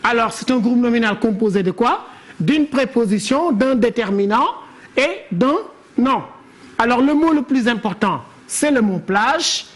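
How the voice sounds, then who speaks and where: This woman teaches verse to a class, her voice fairly high, expressive, and measured in pace. Her approach is didactic: she breaks things down step by step and calls on pupils by name to answer questions.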